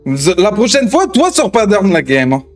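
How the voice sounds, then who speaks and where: A man's voice: sits high, wildly swooping pitch, moderate pace, soft background music. A man improvising a hot-headed gang brawler in a gaming roleplay, confrontational and full of swearing. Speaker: GTA roleplay gamer and streamer.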